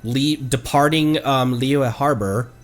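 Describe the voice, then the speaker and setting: A man livestreaming a game with casual commentary, thinking aloud in a halting way. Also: medium pitch, faint music behind.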